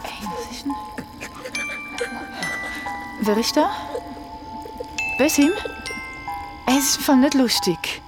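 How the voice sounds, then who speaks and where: An actress playing a jumpy teenage girl in a radio play, startled and quick. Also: high voice, music in the background. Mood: scared. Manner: quick, startled, breathy when scared. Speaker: actor in radio drama.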